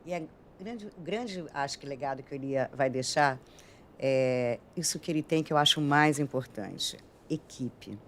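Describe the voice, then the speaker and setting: A woman's voice: very deep voice, expressive, normal speed, slight background noise. A woman hosting a podcast in a radio studio, chatty and openly admiring her guest. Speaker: podcast host. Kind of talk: casual studio talk.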